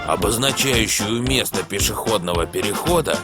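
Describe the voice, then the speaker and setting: A man voicing a stern road patrol guardian who teaches in a measured, didactic way in a children's cartoon. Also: lowish voice, lively intonation, close to an everyday voice. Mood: stern, instructive. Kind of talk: children's educational cartoon acting. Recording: loud music behind the voice.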